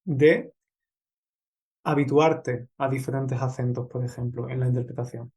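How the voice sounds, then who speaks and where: A man's voice: medium pitch, fairly even intonation, unhurried, a little mellow. A man with an Andalusian Spanish accent hosting a podcast interview, chatty and asking long questions. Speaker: podcast host.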